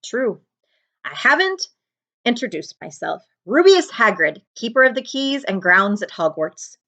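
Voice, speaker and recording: Woman voicing a gruff, folksy storybook giant man. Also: on the high side, very animated, measured pace, sharp tone, exaggerated voice. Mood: friendly, matter-of-fact. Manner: rustic, folksy, ungrammatical speech. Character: friendly, gruff, hungry giant man with wild beard.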